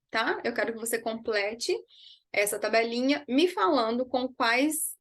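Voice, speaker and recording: A woman English teacher gives an online lesson, moving between quick explanations and slowly modeled words for learners to repeat. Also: a little high, fairly bright tone.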